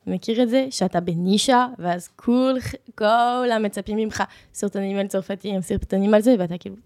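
Speaking in a mid-range, somewhat mellow voice, this young woman with a French accent is a content creator appearing as an interview guest. She chats and shares stories in a relaxed, casual way.

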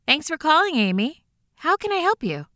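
Chipper caseworker, bright crisp voice, reassuring. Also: female voice, mid-range voice, very animated, moderate pace, no echo, clean studio sound. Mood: cheerful. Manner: cheerful, reassuring, businesslike. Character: upbeat adult woman housing caseworker. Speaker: housing phone agent.

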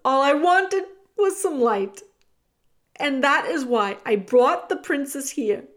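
A woman's voice: high voice, animated, slow pace, a bit bright, voice pushed up, heavily acted. Woman playing a wretched, plaintive male rat. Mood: despairing. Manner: plaintive, pleading. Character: miserable, wretched male rat longing for light.

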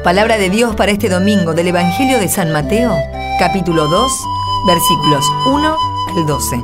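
A woman narrating scripture in a scripted, solemn style, measured and reverent, phrase by phrase. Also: fairly low pitch, expressive. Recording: soft music behind the voice.

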